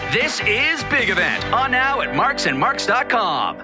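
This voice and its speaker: An ad voice-over reading a retail promotion in a bright sales pitch. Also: sing-song, measured pace, loud music behind the voice. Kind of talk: retail radio ad.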